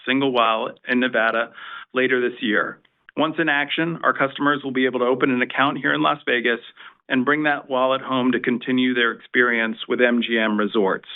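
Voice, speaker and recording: A man reading prepared remarks formally as a finance executive on a corporate earnings conference call. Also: mid-range voice. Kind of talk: scripted corporate earnings presentation. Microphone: conference call line. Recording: tinny, phone-like conference call line.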